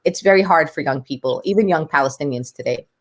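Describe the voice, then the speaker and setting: New lady talking passionate and emphatic in an interview, pretty low voice. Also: fast talker. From United States. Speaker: guest. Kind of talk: podcast interview.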